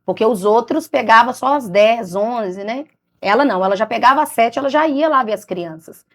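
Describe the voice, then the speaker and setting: Brazilian woman guest, a bit high-pitched, telling her story with lively acted-out dialogue. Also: normal speed. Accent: Brazilian Portuguese. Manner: animated, acts out others' lines in quoted speech; repeats "I said" and restarts as she recounts. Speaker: guest giving a faith testimony. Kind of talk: emotional storytelling.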